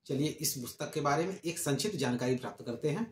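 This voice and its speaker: With a slightly high voice and an animated, rapid delivery, a man reviews a devotional book on the channel he hosts. His talk is casual and conversational, with passages read aloud over slight background noise.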